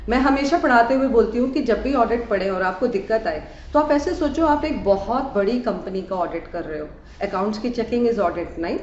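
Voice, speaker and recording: A woman's voice: fairly high pitch, moderate pace, darkish tone. A woman teacher giving exam tips on audit, mixing in English phrases and calling her students "beta" as she explains. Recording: dull roomy lo-fi recording with faint hiss.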